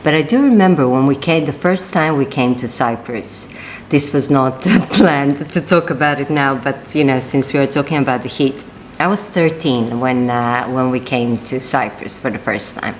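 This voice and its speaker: Very low-voiced woman vlogger. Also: moderate pace, background noise. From Serbia. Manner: rambling, with many fillers and restarts. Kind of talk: casual vlog talk.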